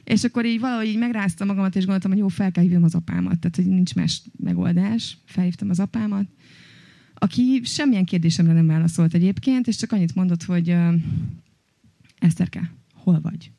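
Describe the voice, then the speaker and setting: A woman's voice: lowish voice, warm tone, no echo. A woman telling a personal story on stage in a chatty way, full of fillers and hesitations.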